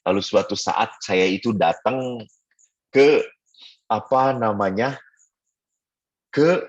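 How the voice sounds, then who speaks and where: A middle-aged man, a Catholic priest, giving a casual spiritual talk to a youth group and telling stories with animated, acted-out voices. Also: fairly low pitch, slightly rough, muffled recording. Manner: animated storyteller who acts out voices.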